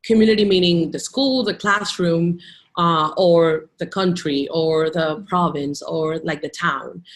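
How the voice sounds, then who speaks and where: A young woman from the Dominican Republic talks about her teaching in a relaxed, chatty way. She fills her sentences with "like" and restarts often. Her voice sits a little low. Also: measured pace. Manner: chatty, many "like" fillers and restarts. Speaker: teacher, interview guest. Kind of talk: casual video interview.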